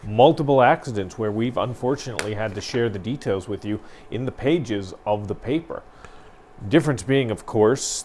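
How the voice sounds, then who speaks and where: A man's voice: on the low side, slight background noise. A man, co-hosting a local news talk show, speaking earnestly and with emphasis. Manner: earnest, emphatic, builds to frustration. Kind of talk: conversational news commentary.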